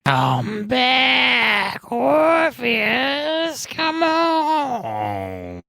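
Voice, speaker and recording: Eerie luring witch played by a man for tabletop horror, high wailing calls. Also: wildly swooping pitch, drawn-out words, vocal fry, bright, forceful tone, dry recording, clean studio sound, full character voice. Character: eerie witches calling out a victim's name.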